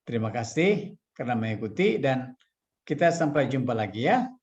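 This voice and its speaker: A Catholic priest from Malaysia giving a devotional talk and reading a story aloud, measured and unhurried with occasional restarts. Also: male voice, mid-range voice, sing-song, a little mellow.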